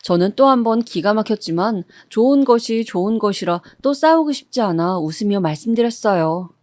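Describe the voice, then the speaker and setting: A woman reading a first-person true-life story in a steady, even storytelling manner, recorded on a close studio mic. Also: medium pitch, normal speed, dry recording.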